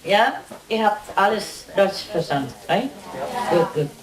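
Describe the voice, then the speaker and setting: Slow-talking woman with foreign accent, echoey recording. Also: medium pitch, lively intonation. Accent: foreign accent in German. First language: not German. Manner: short simple phrases, often repeated, teasing. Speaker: spiritual teacher leading a gathering. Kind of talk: casual informal talk to a group. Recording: echoey, distant mic, crowd around.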